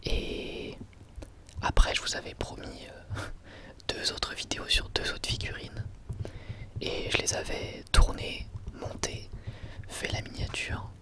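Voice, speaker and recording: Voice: slow, long pauses. An ASMR host whispering a casual, drily ironic product presentation in a hesitant, conversational way.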